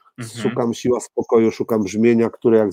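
A man with a dark, mellow tone speaks at a fairly quick pace, the sound dry and close with no echo and the background quiet. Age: 40s. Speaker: hip-hop DJ and producer. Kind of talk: casual interview. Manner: animated.

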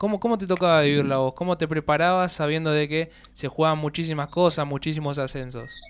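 A man speaks at a very fast pace and a fairly high pitch. His intonation stays fairly even. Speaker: radio co-host. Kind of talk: radio sports talk.

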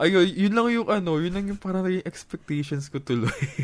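Noticeable background noise under a man's fairly quick delivery. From Philippines. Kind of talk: casual chat.

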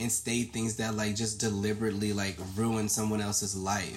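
Over noticeable background noise, a man with an American accent speaks in a fairly low pitch at a moderate pace. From Chicago, South Side. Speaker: podcast co-host. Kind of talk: casual chat.

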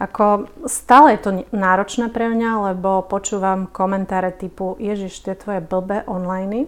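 At a fairly slow pace, a woman with a plain, everyday voice speaks at medium pitch with fairly even intonation. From Slovakia. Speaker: change consultant and former banker. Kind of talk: interview conversation.

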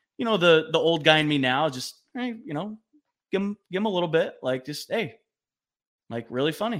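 Loud and bright with a sharp tone, a man speaks at a high pitch and a very fast pace with very wide pitch swings on a very clean recording with a silent background. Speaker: sports broadcaster. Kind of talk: casual sports talk.

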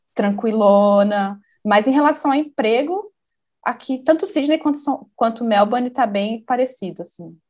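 In a normal speaking voice, a woman with a fairly high pitch speaks at a fairly slow pace with lively intonation. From Brazil. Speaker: emigrant guest. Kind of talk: casual interview.

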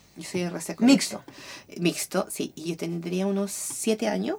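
Over noticeable noise in the background, the woman's intonation is lively. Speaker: podcast co-host. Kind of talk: casual chat.

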